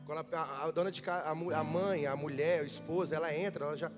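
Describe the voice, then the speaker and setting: A pastor preaches in a loose, joking tone and keeps turning to his congregation with questions. His voice sits a little high for a man. Instrumental music plays clearly behind him in the church. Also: fairly even intonation, quick pace. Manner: conversational and humorous, often asking the congregation questions. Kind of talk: sermon.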